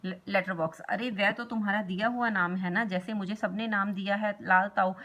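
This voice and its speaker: A woman's voice: medium pitch, fairly even intonation, normal speed, fairly bright tone, lightly acted. A woman voicing a kindly, chatty old male letter box who grumbles about scoundrels.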